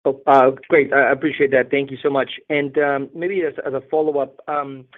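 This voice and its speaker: A man calling in as a financial analyst, asking polite questions in a halting, hesitant way. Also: mid-range voice, flat delivery. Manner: hesitant, halting, repeats words. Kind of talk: polite question on a conference call. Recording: tinny narrow phone line.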